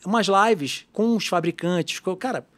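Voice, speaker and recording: A man talks as a podcast guest in a somewhat high register. He is animated and talkative, often breaking off and restarting his sentences. He speaks as an easygoing, expert shop owner. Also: measured pace. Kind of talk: casual podcast conversation.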